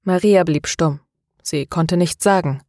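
A woman narrating an audiobook novel in a steady, measured reading. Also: lowish voice, no echo, studio quality. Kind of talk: scripted narration.

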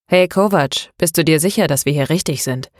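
A woman's voice: deep voice, a little fast, dry recording, studio quality. A woman voicing a hulking, short-tempered male boxer who snaps irritably, in an audiobook. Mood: irritable. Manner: snapping, irritable.

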